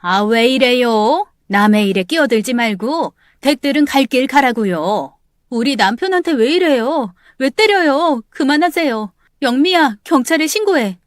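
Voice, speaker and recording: A woman's voice: high-pitched, expressive, normal speed, few pauses, clear, resonant tone, no room sound, clean studio sound, voice pushed up. A woman voicing a frantic, shocked young wife. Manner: frantic, pleading. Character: shocked young wife defending her husband.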